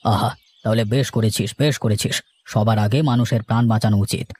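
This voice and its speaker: A man playing a gruff, scolding but fair village master in a cartoon story, with an authoritative, declamatory manner. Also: fairly low pitch, fairly even intonation, brisk, darkish tone. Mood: concerned. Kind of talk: animated cartoon story acting. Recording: music bed under the voice.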